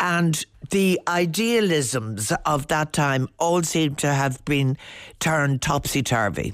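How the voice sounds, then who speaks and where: A woman in an Irish accent, very deep and low in pitch, with lively intonation, very even loudness and a very slow pace, on a very clean recording against a silent background. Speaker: radio host. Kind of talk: radio interview.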